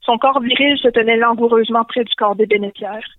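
A woman's voice: on the high side, fairly even intonation, brisk, dry recording. Québécois woman reading a story by phone. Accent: Québécois French. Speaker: guest storyteller. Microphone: phone call. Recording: tinny phone line.

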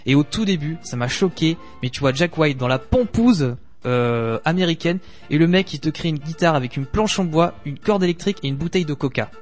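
A man's voice: a little high, lively intonation, brisk, hardly any pauses, soft background music. A man co-hosting a gaming podcast, talking in a rambling way with lots of hesitation. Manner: rambling, hesitant with many fillers. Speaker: podcast co-host. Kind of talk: casual gaming podcast chat.

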